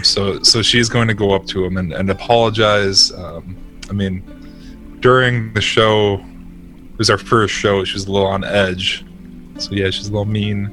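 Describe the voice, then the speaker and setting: Tabletop player: a low-voiced man, casual and jokey, describing his character's actions. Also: fairly bright tone, poor audio.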